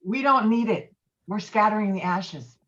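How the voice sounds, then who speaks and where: A woman's voice: mid-range voice, expressive, normal speed, fairly bright tone, highs cut off, slight background noise, natural voice. A woman playing a hot-headed, pompous middle-aged male veteran and bowler in an online script read. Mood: indignant. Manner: blustering, pompous, foul-mouthed. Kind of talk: virtual table read of a film script. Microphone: video call.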